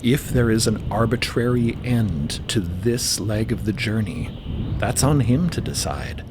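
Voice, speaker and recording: A man's voice: fairly low pitch, animated, unhurried, noisy background. A man giving dramatic scripted narration for a fiction podcast. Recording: voice over prominent music. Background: music.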